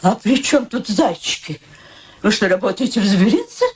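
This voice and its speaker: A woman's voice: mid-range voice, animated, normal speed, close to an everyday voice. An actress playing an effusive, hospitable older mother in a radio play, gushing and insistent as she matchmakes. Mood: curious, concerned.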